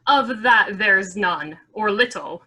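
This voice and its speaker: A woman playing a mocking, sharp-tongued scheming lord in a Shakespeare radio play, with a dry sarcastic delivery. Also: medium pitch, lively intonation, slow, full character voice.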